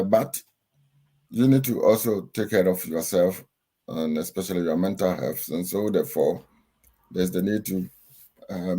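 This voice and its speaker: A middle-aged man with a Ghanaian accent, giving steady, instructive interview answers with frequent pauses and fillers. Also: low-pitched. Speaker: guest, chartered accountant and lecturer.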